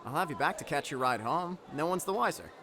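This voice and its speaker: A man's voice: a little high, expressive, fast talker, lightly acted. An actor playing an easygoing, cheeky teenage boy in an audio drama, talking casually and breezily. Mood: concerned, casual.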